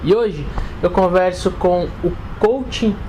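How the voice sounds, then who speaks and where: A man's voice: high-pitched, slow, darkish tone, poor audio. A man with a Brazilian accent hosting a casual interview, asking questions conversationally. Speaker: interview host. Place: inside the guest's home. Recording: faint background noise, ambience.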